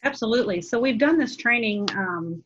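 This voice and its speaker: A woman's voice: fairly high pitch, animated, moderate pace, muffled recording, heavy background noise. A woman being interviewed, explaining her organization's work in an earnest, fluent way. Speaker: nonprofit representative being interviewed. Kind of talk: interview talk explaining programs.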